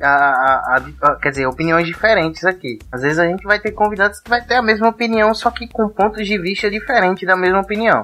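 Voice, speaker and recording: A man speaks in a raised, projected voice at a high pitch with lively intonation. His fairly quick delivery is backed by music. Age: 20s. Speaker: podcast host. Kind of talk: casual chat.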